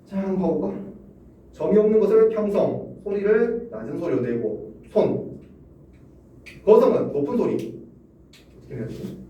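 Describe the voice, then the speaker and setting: A man's voice: high-pitched, animated, moderate pace, pauses often, muffled recording. A male Korean language teacher giving a classroom lecture, asking students questions and chuckling often. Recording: roomy classroom echo, distant mic, faint hum.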